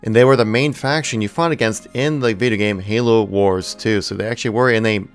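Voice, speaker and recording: Low-voiced man doing gaming commentary. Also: a little fast, smooth, soft background music. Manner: enthusiastic, informal. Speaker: gaming channel host.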